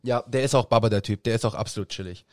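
A man's voice: mid-range voice, racing, darkish tone, no echo, studio quality. A young man, a student facing exams, co-hosting a casual podcast and often laughing through his words. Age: young adult. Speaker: podcast co-host. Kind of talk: casual chat.

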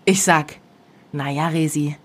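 A woman's voice: low voice, unhurried. A woman in her thirties, co-hosting a podcast and telling an anecdote in a casual chat, acting out the dialogue. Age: 30s. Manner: animated storytelling, acting out quoted dialogue. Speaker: podcast co-host.

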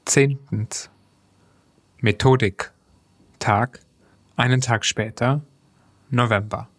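Slow man reading stage directions. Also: mid-range voice, fairly even intonation.

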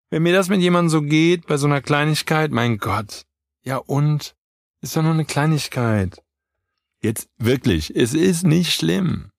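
A man hosting a self-help podcast, talking gently and reassuringly and acting out both sides of little everyday dialogues. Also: medium pitch, creaky, dry recording, clean studio sound. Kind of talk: motivational podcast monologue.

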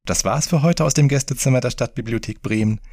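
A man's voice: medium pitch, fast, a little mellow, no room sound, clean studio sound. A man hosting a podcast, interviewing an author and signing off with fillers here and there. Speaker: podcast host.

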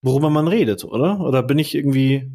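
A man hosts a casual podcast, chatty and quick with jokes and questions. His voice sits at a middle pitch, plain and relaxed. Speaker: podcast host. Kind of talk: casual interview.

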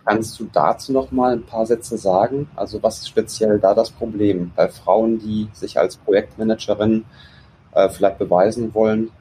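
Low, mellow male interview host. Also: steady tone, normal speed, slight background noise. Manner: asks follow-up questions. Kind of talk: conversational interview.

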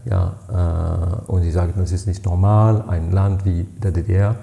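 Older french guy, accent, lowish gravelly voice, stops and hunts for words a lot, interview guest. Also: flat delivery, dark tone. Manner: halting, searching for words, many fillers. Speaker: party president, guest. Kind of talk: interview answers, storytelling.

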